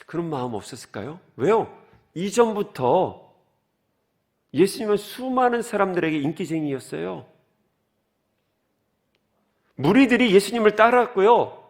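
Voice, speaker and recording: A man's voice: high voice, sing-song, normal speed. A man as pastor preaching a sermon, who asks the congregation questions and explains the words of the text.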